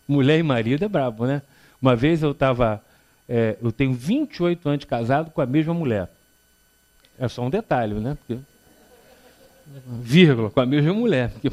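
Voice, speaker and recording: A man in his fifties with a Rio de Janeiro accent, giving a public spiritist talk as a lecturer, joking and acting out little dialogues as he tells stories. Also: mid-range voice. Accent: Carioca Brazilian Portuguese. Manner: animated, joking storyteller who acts out dialogue. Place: lecture hall before an audience.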